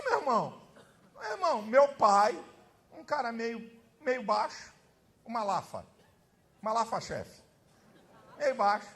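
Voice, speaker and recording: A male pastor delivers a fiery, emphatic sermon and often breaks into shouts. His voice is unusually high and sharp-toned. His pitch swings widely as he drives his points home.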